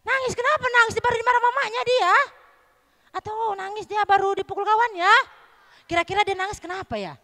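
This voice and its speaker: A woman with a North Sumatran Indonesian accent teaching a children's Christmas Sunday school lesson, lively and quizzing the kids with questions. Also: very high voice, brisk. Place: church hall. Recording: echoey hall.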